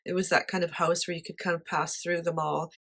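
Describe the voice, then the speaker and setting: A woman with a quiet voice talking casually to camera about her life, light-hearted and honest in manner. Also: fairly low pitch, level tone, a little fast. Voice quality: quiet voice that does not carry. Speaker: artist sharing life advice.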